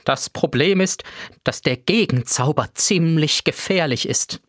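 A man voicing a small, bald, jittery male museum guide who stammers and bursts into high, panicky cries. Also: unhurried, no echo, studio quality. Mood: worried.

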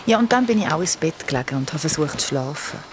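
A woman with a Swiss German accent telling a spooky story in a lively, dramatic way, sometimes dropping to a whisper. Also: sits low, fast, slight background noise. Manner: lively, dramatic, drops to a whisper at tense moments. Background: music.

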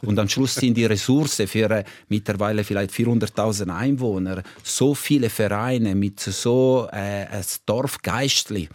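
Hesitant Italian-Swiss man, low dry voice. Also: moderate pace, few pauses, darkish tone, dry recording. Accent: Ticino Italian-Swiss accent in German. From Ticino, Switzerland. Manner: hesitant, many filler sounds. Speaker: guest, goalkeeping expert. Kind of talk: casual talk show chat.

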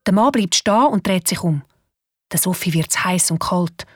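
Swiss German woman narrator, lively storyteller, breathy and dry-sounding, faint music behind. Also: on the low side, moderate pace, no echo.

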